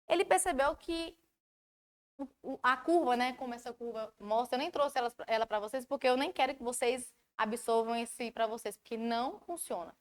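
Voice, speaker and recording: A woman with a Brazilian Portuguese accent, a study mentor giving an online lecture who asks her audience questions and explains in an animated way. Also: sits high.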